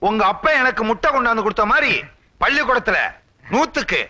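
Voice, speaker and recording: A man's voice: very high voice, lively intonation, fast talker, bright, forceful tone, heavily acted. A man playing a comic fake swami in an older film, teasing villagers with mock-solemn curses given as blessings. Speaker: self-styled holy man. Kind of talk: 1980s film comedy acting.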